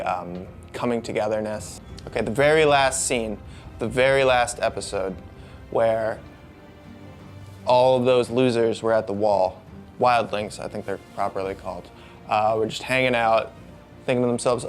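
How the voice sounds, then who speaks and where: A man in casual chat, talking in a dry, hesitant deadpan way. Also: on the low side, normal speed, faint music behind. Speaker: comics commentator.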